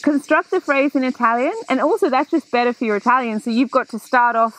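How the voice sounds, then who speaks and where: A high-pitched woman in her thirties chats casually as a host, sitting outdoors in a garden hammock. She is lively and laughs easily. The take is picked up by a camera some way off. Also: quick pace, rough recording. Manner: animated, laughing, talks with her hands. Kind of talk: casual chat.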